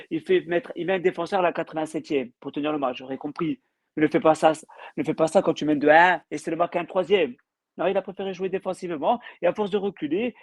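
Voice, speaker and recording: Corsican guest with a Corsican French accent, blunt talk, slightly high voice, dry earbud sound. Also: male voice, no echo. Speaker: guest caller. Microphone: earbuds on a call.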